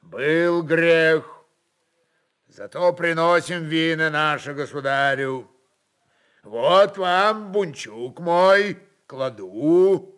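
A man voicing a bold, forceful Cossack chieftain in a radio play, commanding and theatrically mock-humble. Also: fairly high pitch, drawn-out words, smooth. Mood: mock solemn.

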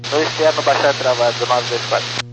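A man's voice: mid-range voice, fairly even intonation, a little fast. A Brazilian man speaking as a pilot, reading back air traffic control instructions over radio. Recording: very noisy cockpit radio transmission.

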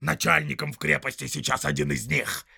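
Guy doing a big brutish orc soldier, yelling threats, raspy edge. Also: on the high side, fairly even intonation, a little fast, dry recording, studio quality, pitched above the performer's own voice, exaggerated voice. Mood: menacing. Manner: loud, menacing, shouting threats. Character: huge brutal male orc warrior, threatening.

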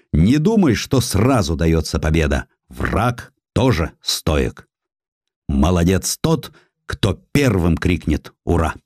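A man narrating a historical story and voicing a blunt, gruff old general who speaks in terse, emphatic pronouncements. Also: low voice, a little mellow, dry recording, studio quality, full character voice.

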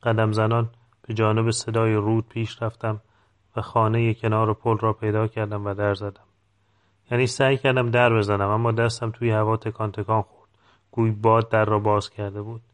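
A man reading a novel aloud in calm, measured scripted narration. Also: fairly low pitch, smooth. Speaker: audiobook reader.

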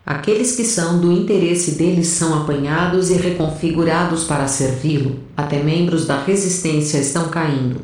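A woman's voice: low-pitched, normal speed, few pauses, darkish tone, natural voice. An actress playing a defiant, foul-mouthed female rebel soldier, brash and insistent, in an audio drama. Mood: defiant, urgent. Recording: very echoey, slightly distant.

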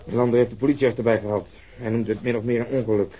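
An actor playing a blunt, sardonic, impatient police detective in a radio drama. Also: male voice, mid-range voice, fairly even intonation, fast talker, dark tone, dull audio, close to an everyday voice. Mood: animated, cynical. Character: gruff, sarcastic, impatient plainclothes police detective, male. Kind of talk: Dutch radio drama acting. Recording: noisy old radio drama recording.

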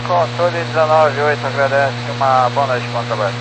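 A pilot's voice comes through the cockpit radio, a man with a mid-range voice giving clipped, routine readbacks. The transmission is noisy and carries a steady electrical hum. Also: mid-range voice, fairly quick. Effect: pilot over the aircraft radio. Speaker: airline pilot. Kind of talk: terse radio readbacks to air traffic control.

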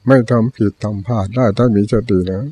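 A man's voice: mid-range voice, fairly even intonation, a little fast, dark tone, breathy edge. An older man, a Buddhist monk, giving a Dharma talk with plain storytelling and repeated teaching phrases.

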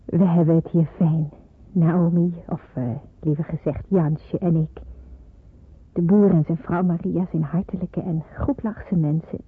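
A woman's voice: on the low side, fairly even intonation, unhurried, breathy edge. An actress playing an earnest young Jewish woman in wartime hiding, a little hesitant, in a Dutch radio play. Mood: reflective. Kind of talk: Dutch radio play acting with diary-like narration. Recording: muffled, thin old radio recording.

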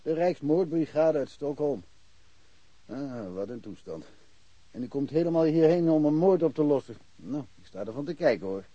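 Chatty, mellow country police inspector. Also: male voice, on the high side, lively intonation, moderate pace, dry recording. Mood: chatty, impressed. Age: middle-aged. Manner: talkative, colloquial, self-deprecating. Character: chatty, folksy provincial Swedish police inspector, long-serving local. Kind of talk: naturalistic Dutch radio drama acting. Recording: muffled, noisy radio drama recording.

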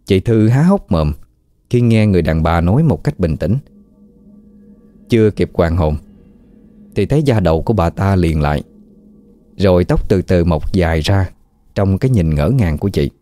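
A man with a Southern Vietnamese accent narrating a ghost story in a measured way. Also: low voice, expressive, warm tone. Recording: dry close mic with faint music.

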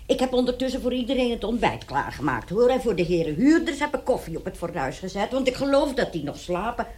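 Animated, brash charwoman. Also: on the high side, fast. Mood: servile, chatty. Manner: chatty, colloquial, taunting. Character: brash, nosy charwoman, chatty and fearless. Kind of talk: radio play acting.

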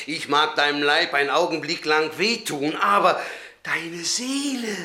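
An actor in a radio play voicing a huge, fervent Christian who preaches solemnly and emphatically while holding back a violent temper. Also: male voice, a little high, measured pace, pushed and bright, full character voice. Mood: menacing zeal.

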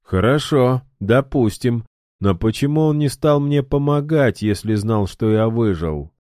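A man's voice: medium pitch, lively intonation, mellow, no room sound, studio quality, pitched above the performer's own voice, natural voice. A man voicing a hot-tempered young fighter who taunts and snaps at his foe in a raised voice. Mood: suspicious. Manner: sarcastic, taunting, quick to anger.

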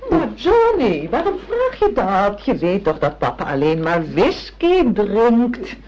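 A woman's voice: mid-range voice, huge pitch swings, takes it slowly, darkish tone, heavily acted. An actress in a radio play voicing a theatrical, scheming wife who bosses and coaxes her family. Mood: coaxing, bossy. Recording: dull, slightly noisy radio play recording.

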